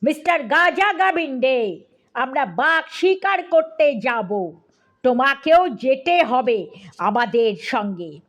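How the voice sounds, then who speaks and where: Stubborn bossy sahib, played by a woman storyteller; curt, commanding, deliberate. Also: sits high, expressive.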